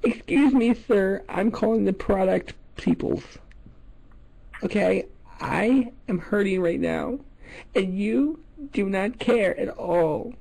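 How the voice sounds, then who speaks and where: A man putting on a melodramatic, easily offended gay man who makes a prank phone call, his gravelly voice swinging from mumbling and hesitant to shrill and wailing. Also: slow pace, a little mellow, exaggerated voice. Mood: distraught, indignant. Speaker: prank caller.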